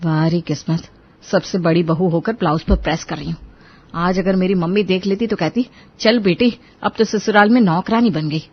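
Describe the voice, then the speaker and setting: A woman's voice: fairly low pitch, normal speed, husky, highs cut off. A woman voicing a sly, lazy eldest daughter-in-law who complains and shirks work. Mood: grumbling. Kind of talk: storybook character voice.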